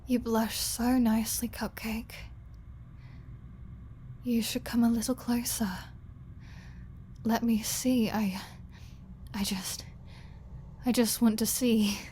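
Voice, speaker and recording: Woman acting as a slow-talking flirty starving vampire woman. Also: on the high side, flat delivery, mellow, slight background noise. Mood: hungry, pleading. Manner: breathy asides, halting, teasing and pleading. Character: flirty, starving female vampire, captive, teasing yet desperate. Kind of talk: ASMR roleplay audio drama.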